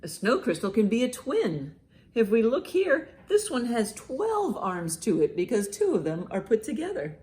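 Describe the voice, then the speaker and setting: A woman hosting a children's storytime, reading and explaining in simple, expressive language meant for young listeners. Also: on the high side, moderate pace. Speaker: children's librarian, storytime host. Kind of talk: children's storytime, reading a picture book aloud and commenting.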